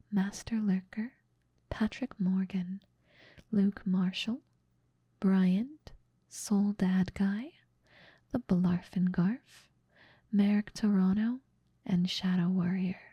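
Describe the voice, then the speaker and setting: A woman speaking in a breathy whisper as an ASMR host addressing her viewers. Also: medium pitch, warm tone, no room sound, clean studio sound. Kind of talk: whispered ASMR outro, thanking supporters.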